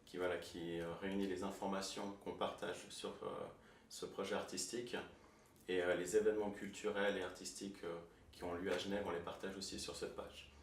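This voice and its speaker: Deep-voiced man, calm and measured. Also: recorded from a distance. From Geneva, Switzerland. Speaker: musician, guest. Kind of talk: interview answers. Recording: roomy, off-mic, light hiss.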